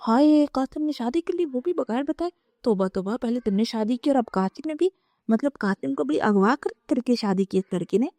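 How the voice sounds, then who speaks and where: A woman voicing a gossipy, scandalized middle-aged aunt in a storybook reading, with shrill, dramatic exclamations. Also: warm tone, dry recording, natural voice.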